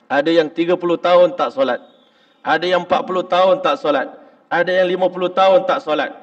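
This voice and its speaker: A man's voice: high-pitched, steady tone, a little fast. A man with a Malaysian Malay accent preaching a sermon, telling a story to the congregation, acting out the dialogue, and building up to emphatic peaks. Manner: addresses audience repeatedly, acts out dialogue, rising emphatic peaks. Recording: dull lo-fi recording.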